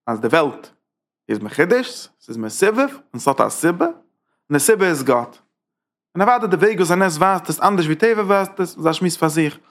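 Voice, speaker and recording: A man giving a Hasidic text lesson, talking in halting Yiddish-style German that is full of Hebrew and English terms. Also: a little high, expressive. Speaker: Torah teacher.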